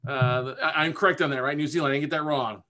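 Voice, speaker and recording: A man's voice: on the high side, steady tone, quick pace, pushed and bright. A man hosting a live-streamed podcast session over a video call, talking in an upbeat, chatty way with plenty of fillers. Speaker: podcast summit host. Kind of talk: casual live-stream interview.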